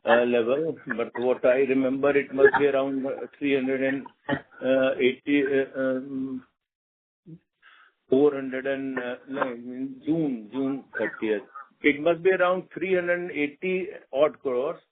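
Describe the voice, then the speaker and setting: A man's voice: mid-range voice, fairly even intonation, takes it slowly. Hesitant man on a tinny phone line. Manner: hesitant, many fillers and restarts. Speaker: company executive answering analysts. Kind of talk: earnings call answers.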